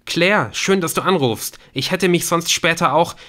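Audiobook role: accused young boyfriend, voiced by a male narrator, urgent, lifted pitch, bright and tense. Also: normal speed. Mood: apologetic, flustered. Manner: earnest, urgent, defensive. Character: anxious, pleading young man, the accused boyfriend.

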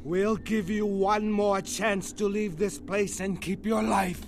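An actor playing a stern, formal vampire guard who gives slow, menacing warnings in a video game. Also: male voice, sits high, fairly even intonation, a little hiss or hum.

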